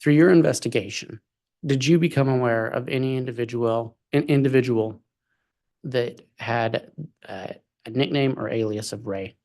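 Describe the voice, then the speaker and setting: A man speaking as a prosecutor in a courtroom, questioning formally in measured, halting phrases. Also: medium pitch, a little mellow.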